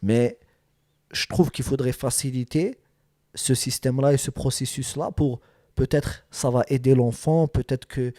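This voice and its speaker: Mellow-voiced man, emphatic and repetitive. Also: mid-range voice, unhurried, no room sound, studio quality. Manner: emphatic, repeats phrases and checks he is understood. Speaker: interview guest, rapper. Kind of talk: casual conversational interview.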